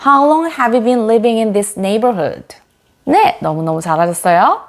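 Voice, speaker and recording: Korean woman English teacher, animated pitch, patient and encouraging drills. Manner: lively, encouraging, drills sentences slowly and repeats them. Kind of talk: online English lesson.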